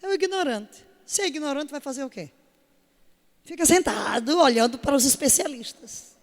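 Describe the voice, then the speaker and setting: A woman's voice: high voice, animated, normal speed. Emphatic woman preaching in a church hall. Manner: emphatic, with many rhetorical questions. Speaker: apostle preaching to her congregation. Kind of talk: sermon. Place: church service.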